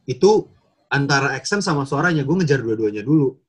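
A man in casual chat, lively and slangy, who keeps breaking into impressions. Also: medium pitch, brisk, breathy edge. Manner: lively, slangy, jumps into voices. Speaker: guest impressionist.

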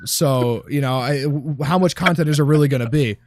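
A man's voice: a little high, a little fast, background noise. A man co-hosting a casual gaming chat, rambling and grumbling with plenty of swearing. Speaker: podcast co-host.

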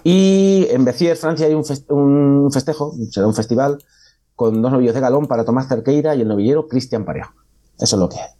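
A man's voice: medium pitch, a little fast, dark tone. A man presenting a weekend bullfighting agenda on a talk show, listing names and places steadily with small hesitations.

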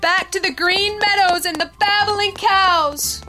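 A high-voiced, wheedling young swindler. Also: female voice, steady tone, slow pace, over music. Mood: tearful, repentant. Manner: pleading, melodramatic, breathless sweet talk. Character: wheedling, melodramatic young female con artist. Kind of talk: pulp radio play acting.

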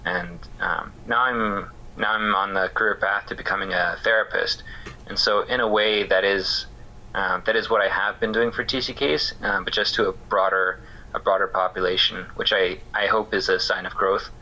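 A man shares his story as an interview guest, pausing often and restarting his thoughts. His voice is low-ish yet strikingly bright and forward. He sounds casual and searching rather than polished. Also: steady tone, dull audio. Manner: thoughtful, halting, many fillers. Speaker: interview guest, missions care worker. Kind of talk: casual reflective interview talk.

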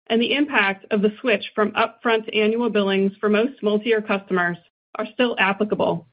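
A woman finance executive reading a scripted earnings presentation in a formal, measured way. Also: mid-range voice. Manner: formal, measured business delivery. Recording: dull, band-limited conference call audio.

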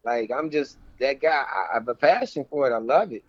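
A man's voice: medium pitch, animated, fairly quick, no echo. Kentucky-accented male guest, slangy and easygoing, dull lo-fi line. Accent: Kentucky Southern. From Louisville, Kentucky. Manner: laid-back, slangy, enthusiastic. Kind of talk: casual interview chat.

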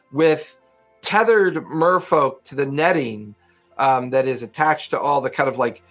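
A man's voice: medium pitch, a bit bright. A man narrating a tabletop game as game master, in loose, filler-heavy narration.

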